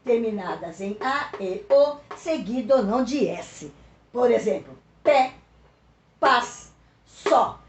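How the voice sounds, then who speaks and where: A woman's voice: fairly high pitch, expressive, a little mellow, slight background noise. Brazilian woman teacher, echoey room. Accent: Brazilian Portuguese, São Paulo. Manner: explains slowly, repeats key words and checks in with "ok?". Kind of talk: recorded lesson for pupils.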